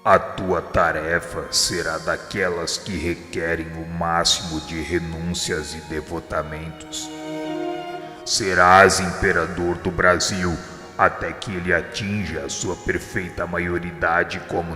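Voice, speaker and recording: A man voicing Jesus as a grave divine figure in a radio drama, speaking with a Brazilian Portuguese accent in measured, solemn pronouncements. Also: deep voice. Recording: heavy reverb with soft music behind.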